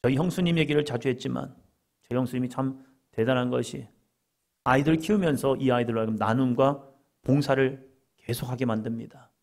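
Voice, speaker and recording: A man's voice: medium pitch, darkish tone. A middle-aged man preaching a conversational sermon as a pastor, acting out quoted inner voices as he goes.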